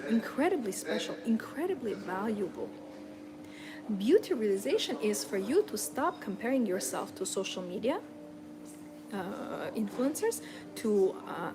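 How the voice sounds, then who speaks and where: A woman coaching her audience in a motivational seminar, earnest and repetitive, with non-native English phrasing. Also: mid-range voice. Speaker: femininity and lifestyle coach. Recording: audible background noise.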